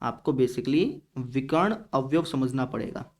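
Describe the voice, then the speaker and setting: A man with a Hindi-speaking north Indian accent teaches a math lesson at a measured pace in a mid-range, darkish voice. His classroom lecture is conversational, and he often asks his students whether they are following, then answers in their voice.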